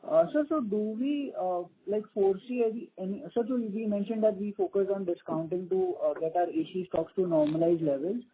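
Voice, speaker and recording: A man's voice: sits high, fairly quick, few pauses, slight background noise. A man, an investment analyst calling in, deferential and rambling, saying sir again and again. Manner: deferential, says sir constantly, rambling questions. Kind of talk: earnings call question. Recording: husky voice on a tinny phone line.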